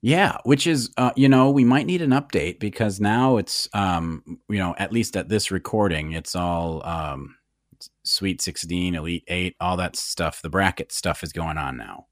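A man's voice: sits low, measured pace, no echo, clean studio sound. A man co-hosting a podcast, chatting casually, joking and going off on tangents. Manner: animated, joking, goes off on tangents. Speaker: podcast co-host. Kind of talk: casual chat.

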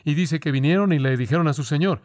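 A male preacher delivering an expository sermon. His voice sits a little high for a man, and he talks slowly and deliberately, stressing key words for emphasis. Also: darkish tone.

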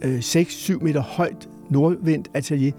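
A man's voice: a little high, faint music behind. An older man telling a personal story in a casual way, acting out the voices of the people he quotes. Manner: lively storyteller who acts out quoted voices. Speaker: storyteller guest.

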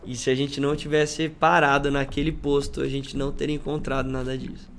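A man's voice: mid-range voice, level tone, a little fast, fairly bright tone. Slangy man telling a story with faint music. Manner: slangy, peppers speech with "cara" and "mano"; acts out quoted dialogue in changing voices. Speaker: podcast guest. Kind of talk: animated storytelling in casual chat.

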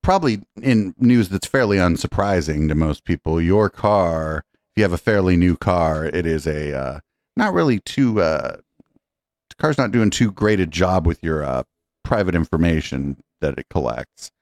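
A man's voice: deep voice, animated, normal speed, darkish tone, dry recording. A man presenting news stories on a podcast panel, casual and joking, with lots of fillers and restarts. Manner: rambling, joking, many fillers. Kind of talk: casual tech news chat.

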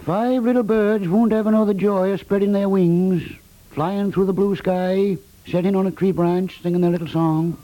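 An actor playing a sentimental, folksy American building contractor with laconic, clipped phrasing in 1950s radio comedy style. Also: male voice, high voice, steady tone, normal speed, dark tone, close to an everyday voice, rough recording. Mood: mournful. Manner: laconic, folksy, drops words, guilt-tripping.

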